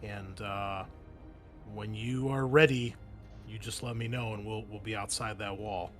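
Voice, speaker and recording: A man playing a decisive female military captain, giving orders in a measured, businesslike way for a tabletop game. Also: lowish voice, fairly even intonation, faint music behind, natural voice.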